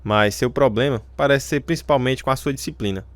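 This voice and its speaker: A man's voice: medium pitch, a little fast, dry recording, natural voice. Man playing a supportive coach, dry close sound. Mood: encouraging, firm. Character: supportive, straight-talking male baseball coach. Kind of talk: radio drama acting.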